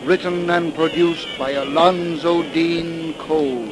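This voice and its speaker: A man announcing a radio drama in a formal, crisp 1930s style. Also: fairly high pitch, steady tone, slow, over loud music. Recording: noisy 1930s radio recording.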